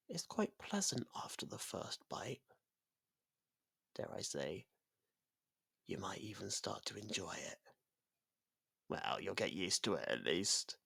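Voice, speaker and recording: An actor playing a sadistic ancient vampire in an ASMR roleplay, seductive, possessive and condescending, with a gravelly, breathy delivery that often sinks into whispers. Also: sits low, no room sound, clean studio sound, heavily acted. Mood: commanding, teasing. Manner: slow, hushed, often breathy whispering, theatrical. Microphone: close studio microphone, dry.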